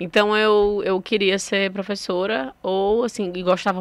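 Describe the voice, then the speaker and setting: With no echo at all, the woman's speech has a dry sound. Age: 30s. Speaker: digital content creator. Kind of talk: interview conversation. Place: studio. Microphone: studio mic.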